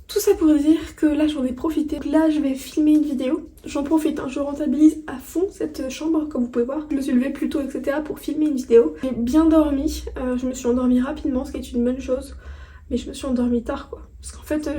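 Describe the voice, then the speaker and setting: In a hotel room, a French woman chats casually to her phone camera in a high, mellow voice. She rambles with plenty of fillers and restarts in this laid-back vlog.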